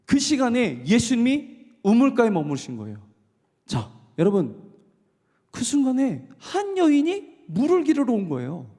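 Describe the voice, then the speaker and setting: A male pastor preaching a sermon, telling a story with lively questions to the congregation and acting out the dialogue. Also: extremely high pitch, normal speed. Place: church sanctuary. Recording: long church hall reverb.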